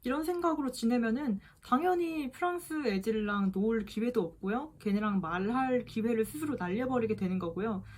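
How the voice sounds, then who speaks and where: A woman's voice: fairly high pitch, a little mellow. A young woman in her twenties answering questions in a chatty, playful vlog. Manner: chatty, playful, mimics voices in quotes. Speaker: vlogger. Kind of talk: casual Q&A vlog.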